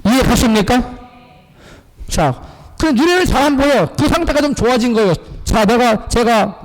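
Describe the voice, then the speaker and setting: A middle-aged male pastor preaches with a high voice that swings widely up and down. He keeps quizzing the congregation and explaining word meanings. His voice rings with the long reverb of a church hall. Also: lively intonation, normal speed. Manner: call-and-response questions to the congregation. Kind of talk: sermon. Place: church sanctuary.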